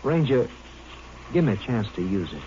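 A man's voice: medium pitch, sing-song, moderate pace, lo-fi sound, lightly acted. World-weary small-town newspaperman played by an actor. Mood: earnest, weary. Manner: wry, resigned, folksy. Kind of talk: 1950s radio drama acting. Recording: noisy band-limited 1950s radio recording.

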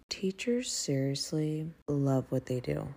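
A woman's voice: low-pitched, very animated, slow, creaky, warm tone, breathy edge. A woman in her thirties, a podcast host whose first language is Portuguese, speaking candidly and emotionally about her life. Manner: candid, emotional, occasionally laughing at herself. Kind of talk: personal reflective monologue.

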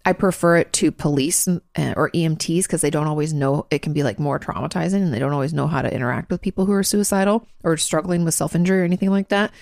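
Congested woman with a gravelly low voice. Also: a little mellow, no echo, studio quality. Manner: frank, earnest, lots of fillers and restarts. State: congested, clearing her throat. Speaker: podcast host answering listener questions. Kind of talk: casual advice talk.

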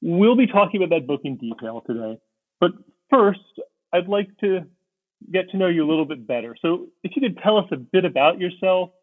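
A man's voice: high-pitched, expressive, fairly quick, dry recording. A man hosting a podcast, reading a formal, welcoming introduction of his guest. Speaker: podcast host. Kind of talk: scripted introduction. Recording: dry phone-like line.

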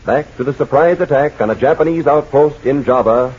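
A man narrating an old radio serial and reading its sponsor plug in a lively selling tone. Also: medium pitch, fairly quick, breathy edge. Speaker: announcer and narrator. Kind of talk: 1940s radio narration and ad read. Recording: tinny old radio broadcast.

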